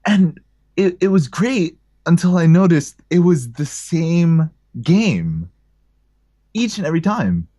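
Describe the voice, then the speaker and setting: A man's voice: on the high side, big pitch swings, takes it slowly, mellow, breathy edge, dry recording, clean studio sound. A man from the United States, a guest on a gaming podcast, joking casually and saying "like" a lot. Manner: joking, peppers talk with "like". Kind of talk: casual chat.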